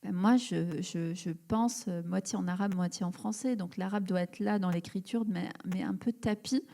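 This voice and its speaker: A woman from Algeria in her thirties speaks as a guest at a public talk, thinking aloud with frequent pauses and restarted phrases. Her voice sits at a middling pitch with a soft, mellow tone. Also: creaky. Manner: thoughtful, many fillers and restarts. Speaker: writer, interview guest. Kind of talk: live public interview. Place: event hall before an audience.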